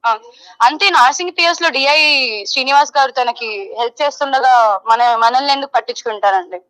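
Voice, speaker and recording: A young woman speaks in a high voice at a quick pace. She is loud and insistent, repeating her points as she argues her side in a heated phone interview. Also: low-quality recording. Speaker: caller giving her side of a dispute. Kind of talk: heated phone interview, Telugu mixed with English.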